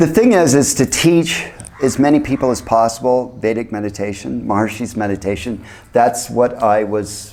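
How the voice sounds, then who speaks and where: Over noticeable background noise, a man with an American accent speaks at a moderate pace and medium pitch with ordinary pitch variation. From United States. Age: 60s. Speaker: meditation teacher. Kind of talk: interview. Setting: ashram. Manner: halting.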